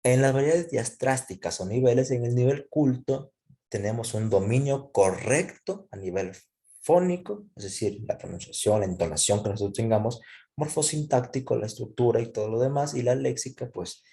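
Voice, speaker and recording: A man's voice: mid-range voice, lively intonation, moderate pace, gravelly, mellow. A man teaching a class, explaining step by step and often checking in with his listeners. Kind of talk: classroom lecture.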